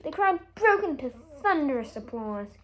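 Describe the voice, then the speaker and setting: High-pitched, very animated woman reading a storybook. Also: moderate pace. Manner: expressive, emphatic storytelling. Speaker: story reader. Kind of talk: children's storybook read aloud.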